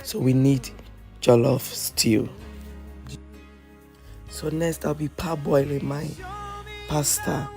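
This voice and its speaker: A woman hosting a cooking video, chatty and hoarse from a flu, often checking in with "okay?". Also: low voice, steady tone, takes it slowly, pauses often, warm tone, faint music behind. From Ghana. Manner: chatty, repeats phrases, asks "okay?" often. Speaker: cooking channel host. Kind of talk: casual cooking tutorial.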